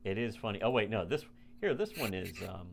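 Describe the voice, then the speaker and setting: A man with a fairly low voice co-hosts a casual podcast, rambling and swearing as he restarts his sentences. A faint hum sits under his voice. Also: very animated, brisk, creaky. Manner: rambling, profane, frequent restarts. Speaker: podcast co-host. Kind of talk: casual crude podcast banter.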